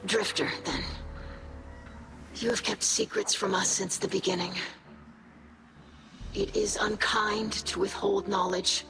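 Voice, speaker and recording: Game casting: earnest young alien scholar, medium pitch, careful formal phrasing, music underneath. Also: female voice, little pitch movement. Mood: formal, curious. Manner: formal, measured, careful diction. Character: earnest, dignified young female alien scribe. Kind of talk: video game cutscene acting. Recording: music bed behind the voice.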